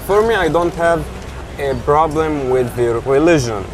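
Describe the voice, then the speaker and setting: Palestinian arab guy being interviewed, choppy emphatic sentences, highish voice, clear traffic noise. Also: measured pace. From Jerusalem. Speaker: lawyer, interviewee. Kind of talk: personal conversational interview.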